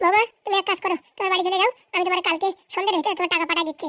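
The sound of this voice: A squeaky, cartoonish character voice from a woman, extremely high in pitch, fairly even in intonation and very fast, with a dry, close sound and no echo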